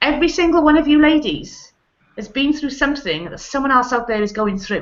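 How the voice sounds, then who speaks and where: A woman's high-pitched, fast-moving voice with a British accent and lively intonation. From UK. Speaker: online business owner. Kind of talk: panel discussion.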